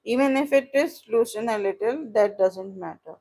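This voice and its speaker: A woman with a South Asian accent giving a casual crochet tutorial, explaining in a halting way and repeating herself as she chats to viewers. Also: a little high, mellow. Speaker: crochet instructor and live streamer.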